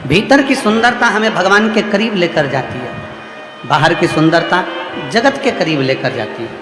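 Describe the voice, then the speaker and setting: Male preacher, high voice, rhythmic repetitive sermon, roomy hall with music behind. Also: big pitch swings, moderate pace. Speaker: religious storyteller. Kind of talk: devotional sermon. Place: large hall at a religious gathering.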